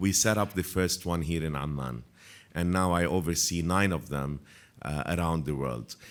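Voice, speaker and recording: Speaking at a moderate pace with an Arabic accent, a man uses a very deep, low voice with ordinary pitch variation. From Jordan. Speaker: university administrator and author. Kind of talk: book launch talk. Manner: hesitant with frequent fillers.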